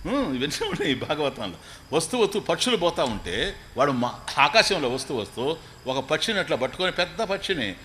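Chanting scripture slowly, then joking as he explains it in ordinary speech, a man gives a storytelling religious talk as a spiritual teacher. His voice is a little high, very animated and sharp-toned, with slight noise in the background.

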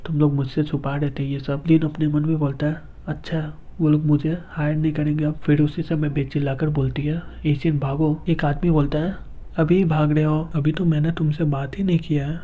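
A man narrating a manga comic story, reading every character's lines in the same steady narrating voice. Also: a little high, narrow, tinny audio. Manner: reads every role in one steady narrating voice. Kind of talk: scripted narration.

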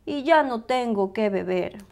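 A woman's voice: on the high side, animated, unhurried, gravelly, darkish tone. A woman voicing a troubled, thirsty big male bear from a storybook, grateful to his friend. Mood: whimpering.

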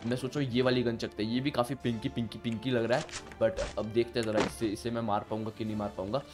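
Nursing a sore throat, this young YouTuber keeps his Hindi-accented commentary quiet and quick as he plays, though he excitedly lets out loud yelps at surprises. Game music and gunfire play in the background.

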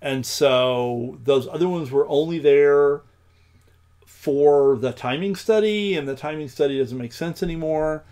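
A man hosting a programming livestream, thinking aloud as he codes, with many pauses and ums. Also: a little high, darkish tone. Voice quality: gravelly. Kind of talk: live coding with commentary.

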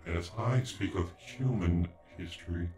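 A man's voice: low-pitched, unhurried, a little mellow, a little hiss or hum. A man playing an ancient alien android in a sci-fi ASMR roleplay, speaking in formal, stilted, condescending phrases with glitchy robotic stutters. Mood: grave, explanatory. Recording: echoing, with music behind.

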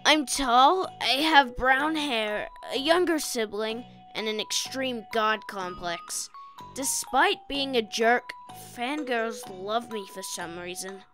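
A woman's voice: on the high side, slow, a bit bright, soft background music. A woman playing a cheeky, playful young boy in a fan audio drama.

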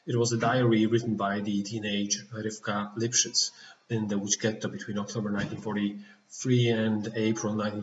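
Low, even-toned Polish-accented man, roomy sound. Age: 30s. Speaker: museum director introducing a program. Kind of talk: prepared introductory remarks, read with hesitations. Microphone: computer mic on video call. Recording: roomy, slightly distant, dull webcam sound.

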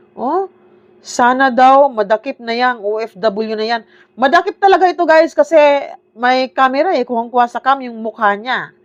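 A woman vlogger giving sarcastic casual commentary, peppering her talk with tag questions and laughs. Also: sits high. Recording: dull lo-fi audio.

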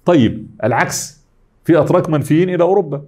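A middle-aged man with an Egyptian Arabic accent delivers an academic lecture, working through it step by step and answering his own questions. His voice is a little high with a darkish tone, and he races along.

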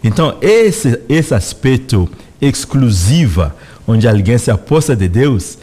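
A middle-aged man from Congo with a Congolese accent, giving measured, reflective answers as a guest in a radio studio. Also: mid-range voice, big pitch swings, dark tone, husky. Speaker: representative of a spiritual organization, guest. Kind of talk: interview answers. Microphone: studio microphone close in front.

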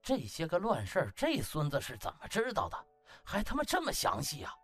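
A man's voice: fairly high pitch, wildly swooping pitch, fairly quick, a bit bright, faint music behind. A man narrating an audiobook in a colloquial, theatrical storytelling style with emphatic exclamations.

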